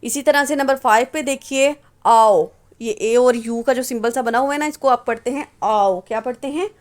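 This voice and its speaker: Her pitch sits fairly high and her speed is normal as she walks through English phonetic symbols. Patient and methodical, the teacher says sample words again and again, raising questions only to answer them on her own.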